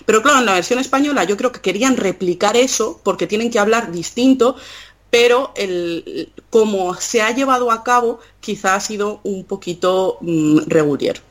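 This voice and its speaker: A woman guest on a podcast chatting casually about comics, pausing often with fillers. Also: medium pitch. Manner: thoughtful, hesitant with many fillers.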